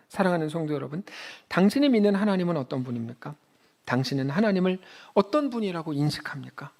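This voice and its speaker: A male pastor preaching a Sunday sermon in a church, telling stories and acting out quotes, swinging between loud emphatic peaks and quiet low asides. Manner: storytelling, acts out quotes in a child's voice. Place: church sanctuary.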